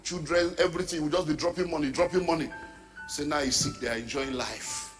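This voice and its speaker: Pastor preaching in a big hall. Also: male voice, on the high side, fast talker. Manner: preaching forcefully, rising to shouts. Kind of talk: sermon. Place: church or large hall. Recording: reverberant hall with background music.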